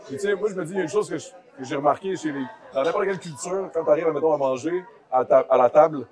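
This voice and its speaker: A man, a rapper guest with a Québécois French accent, telling stories in an animated, enthusiastic way. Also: a little high, quick pace, a loud crowd. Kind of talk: casual chat. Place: restaurant.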